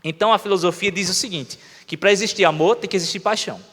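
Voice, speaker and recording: A Brazilian man with a Brazilian Portuguese accent preaches a conversational sermon, often putting questions to the congregation. His voice is high-pitched, very fast and fairly bright. The church hall gives the recording a long reverb.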